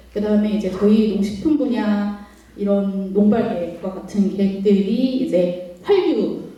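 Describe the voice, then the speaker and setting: Noticeable background noise and audible room echo surround this woman. She talks at a medium pitch with fairly even intonation. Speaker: government policy official. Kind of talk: policy briefing presentation. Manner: many filler words (이제, 어).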